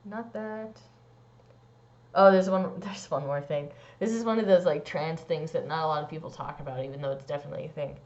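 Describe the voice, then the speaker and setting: A young trans man vlogging a casual personal update, rambling with lots of "like" and "um" and swooping into squeaky high bits. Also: steady tone, a little fast, darkish tone. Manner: rambling, many likes and ums. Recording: dull lo-fi sound.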